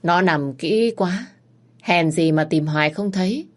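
A stern, harsh young master barking orders to his household, as a woman narrator puts him on. Storybook delivery, loud and commanding, raised a little above her usual low voice. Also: measured pace, natural voice. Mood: cold.

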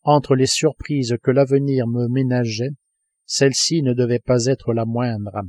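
Brief: male narrator, calm measured audiobook reading, dark tone. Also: medium pitch, no echo, clean studio sound. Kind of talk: scripted narration.

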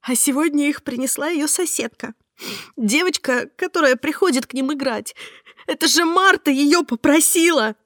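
A woman voicing a frightened young woman who shouts and sobs down the phone. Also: normal speed, no room sound, clean studio sound. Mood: panicked, tearful. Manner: shrill, shouting, near tears. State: sobbing.

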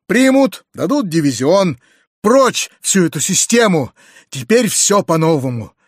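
A man voicing an excitable, kind-hearted middle-aged landowner who talks in agitated exclamations. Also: high-pitched, unhurried, no echo, studio quality, voice pushed up, exaggerated voice. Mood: resolute. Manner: agitated, exclamatory, rising to shouts. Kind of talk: audiobook character reading.

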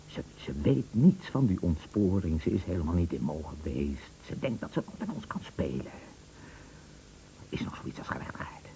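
Jealous husband, taunting and insinuating, mellow tone with animated pitch, old radio play. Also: male voice, moderate pace. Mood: seething, impatient. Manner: sarcastic, insinuating, with emphatic repetitions. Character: bitter jealous husband, scornful and taunting, set on exposing lies. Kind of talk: radio drama acting. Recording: dull, noisy old radio play recording.

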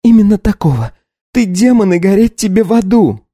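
A man voicing a defiant young countess and mother, speaking in a shrill, pleading way. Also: moderate pace, warm tone, no echo, studio quality, lightly acted. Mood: furious.

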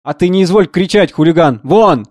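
Male reader doing a scornful bully of a financier, slightly high voice, dry close read. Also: normal speed, a little mellow, no room sound. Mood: contemptuous. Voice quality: sneering, scornful. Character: rude domineering middle-aged man, blustering financier.

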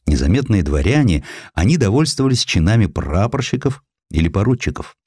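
Man, deep voice, dramatized audiobook narration, highly varied intonation, expressive storyteller. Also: a little fast, breathy edge, dry recording, studio quality. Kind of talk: scripted dramatized narration of a historical sketch. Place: studio.

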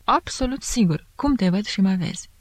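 A woman voicing a cautious middle-aged jeweler who speaks in a measured, earnest way. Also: medium pitch, animated, no echo, pitched above the performer's own voice, close to an everyday voice.

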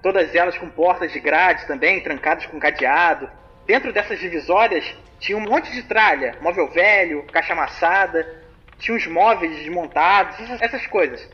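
This is a chatty, slang-filled spooky story told casually on a phone call by an actor playing a young man. His natural voice sits high and moves at a normal speed. The phone-call audio is muffled, with a faint hiss underneath.

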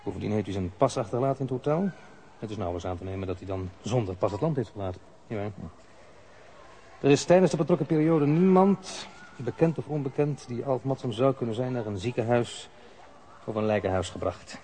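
An actor playing a courteous, evasive police official in a radio play, speaking in a measured, officious way. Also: male voice, mid-range voice, animated, dark tone, a little hiss or hum, close to an everyday voice. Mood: guarded, officious. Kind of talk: Dutch radio play acting.

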